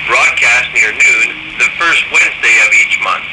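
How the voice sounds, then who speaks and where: A man's voice: mid-range voice, normal speed, bright, forceful tone, a little hiss or hum, low-quality recording. A man reading a scripted test announcement as a weather radio announcer, heard through a small handheld radio. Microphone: camera held near radio's speaker.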